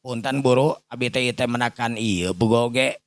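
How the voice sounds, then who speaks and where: A man's voice: mid-range voice, moderate pace, clean tone, dry recording, voice pushed up, close to an everyday voice. A man with a Sundanese accent voicing a deferential henchman in a folk tale, speaking hesitantly and respectfully to his master. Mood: deferential, puzzled.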